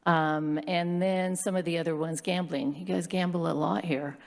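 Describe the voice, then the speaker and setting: Hoarse low-voiced woman presenting a budget. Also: fairly even intonation, normal speed. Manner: explanatory, plain-spoken with frequent fillers. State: hoarse from bronchitis. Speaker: city finance staff presenting budget. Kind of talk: budget presentation at council meeting. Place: city council chamber.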